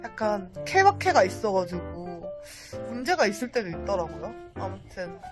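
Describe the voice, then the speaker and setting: A woman chatting casually and expressively to viewers as a travel food vlogger. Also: mid-range voice. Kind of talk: casual vlog chat to viewers.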